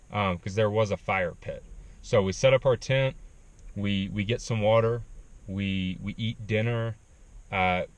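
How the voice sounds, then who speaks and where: Guy with a lowish voice telling a trail story, lots of ums, dry close sound. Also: no room sound. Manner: animated retelling with frequent ums. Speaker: backpacking vlogger. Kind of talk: casual storytelling.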